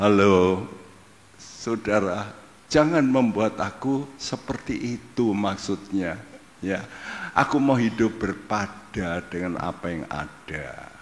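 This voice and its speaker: Very slow speech comes from a man with a fairly low pitch and ordinary pitch variation. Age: 80s+. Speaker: pastor. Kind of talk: sermon. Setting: church.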